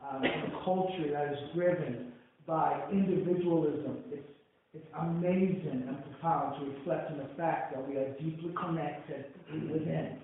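A Nigerian-accented pastor prays and reads scripture to his congregation, raising his voice fervently for the words of God. His voice sits high for a man. It is heard from far off in a big echoing hall, through a thin, phone-like band. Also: steady tone, measured pace, slight background noise. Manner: fervent, booming when reading God's words. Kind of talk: prayer and scripture reading in a sermon. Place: large church hall.

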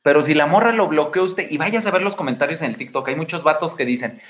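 Mexican man in his thirties, fairly high voice, slangy livestream advice host, echoey room. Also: quick pace, a bit bright. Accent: Mexican Spanish. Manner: slangy, storytelling, addresses viewer as buddy. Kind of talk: casual livestream talk.

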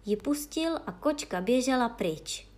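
Bázlivý úslužný hostinský, hraný ženou. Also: female voice, fairly high pitch, animated, a little mellow, voice pushed up, natural voice.

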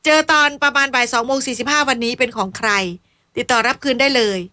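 Bright high-voiced woman radio host. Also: steady tone, quick pace. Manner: polite, reads listener messages and questions aloud, a bit flustered. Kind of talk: live radio call-in talk.

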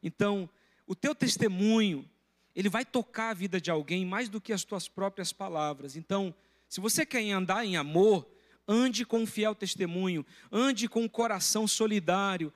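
Man, middle-aged, pastor, sermon, high voice, storytelling. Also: normal speed. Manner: storytelling, breaks into loud shouting when retelling a confrontation.

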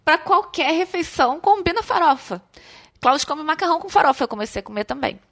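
Rapid, bright-pitched woman; animated storyteller in a couple's podcast. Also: creaky. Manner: animated, self-mocking storyteller. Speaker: podcast co-host. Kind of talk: casual couple chat.

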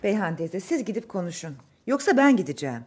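A woman's voice: mid-range voice, big pitch swings, fast talker, darkish tone, slightly rough. An actress playing a newly married young woman in a radio drama, speaking earnestly and insistently about her friend. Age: young adult.

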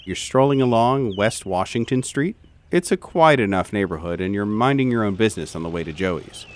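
A man's voice: fairly low pitch, animated, a little fast. A man narrating a tabletop horror game dramatically in the second person as game master.

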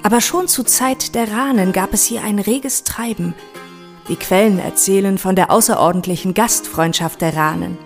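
A woman's voice: mid-range voice, moderate pace, soft background music. A woman narrating a scripted history guide in a storytelling style.

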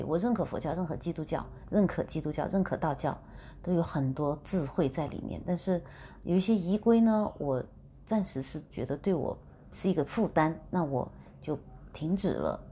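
Woman chatting about her practice, low mellow voice, throws in english words here and there. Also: lively intonation, normal speed, slight background noise. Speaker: vlogger sharing spiritual practice. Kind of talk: casual storytelling monologue.

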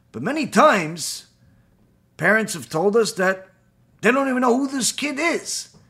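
A man gives a lecture in a high, bright, slightly husky voice. His pitch swings widely as he fires off rhetorical questions, and he often stops on "you know" and "uh". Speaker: Torah teacher. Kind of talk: recorded lecture.

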